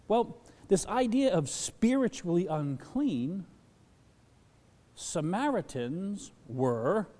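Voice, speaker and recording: A man preaching a sermon as a pastor, animated, acting out the voices of the people he quotes. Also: a little high. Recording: long hall reverb.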